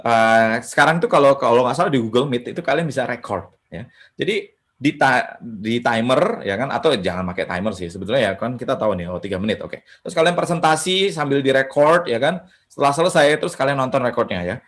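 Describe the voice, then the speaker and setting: A man's voice: medium pitch, animated, a little fast, fairly bright tone. A man mentoring at an online hackathon, giving casual presentation advice. He keeps adding "ya kan" and "gitu" and slips English phrases into his sentences. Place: home setup for an online session. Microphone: video call.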